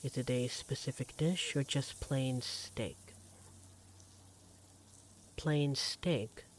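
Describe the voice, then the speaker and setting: A man playing an affectionate, devoted vampire partner in a roleplay audio drama, speaking in a tender, gently teasing, conversational way. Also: medium pitch, very slow. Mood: curious. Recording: clearly audible background noise, sizzling kitchen effects.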